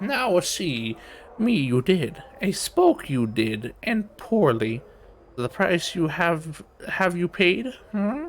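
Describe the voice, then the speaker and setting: A man uses a put-on character voice at a high pitch with very wide pitch swings. He speaks at a very slow pace. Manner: amused.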